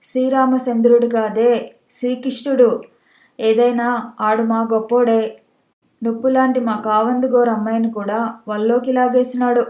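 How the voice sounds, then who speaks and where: A woman's voice: fairly high pitch, level tone, moderate pace, mellow, natural voice. A woman voicing a hot-tempered, mocking village man who scolds in rustic dialect. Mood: sneering. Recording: echoey room.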